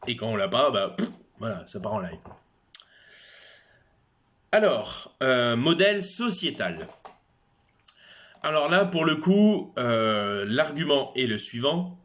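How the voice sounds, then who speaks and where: A man's voice: mid-range voice, big pitch swings, takes it slowly, pauses often, fairly bright tone. A man giving a casual explanatory monologue, hesitant, with many fillers, restarts and chatty asides. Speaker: video creator.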